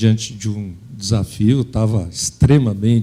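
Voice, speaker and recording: A man's dark, mellow tone at a fairly low pitch. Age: 60s. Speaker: company executive. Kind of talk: interview on stage. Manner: halting.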